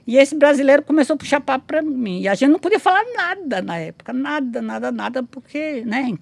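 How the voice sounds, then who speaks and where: A woman's voice: sits high, expressive, brisk, vocal fry, no room sound. A woman in her sixties telling her life story in a casual interview, rambling with many restarts and tag questions. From Brazil. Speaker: interview guest, memoirist.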